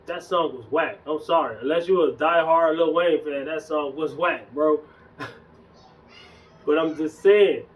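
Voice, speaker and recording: Young guy chatting loose and slangy, kinda hoarse, sounds a bit far off and muffled. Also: a little high. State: losing his voice. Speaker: fitness YouTuber. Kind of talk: casual vlog chat.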